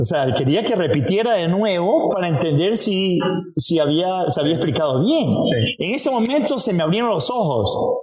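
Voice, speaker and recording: A man with an Ecuadorian accent at a high pitch, moderate in pace, with very wide pitch swings and very even loudness. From Ecuador, Guayaquil. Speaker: used car salesman. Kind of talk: interview.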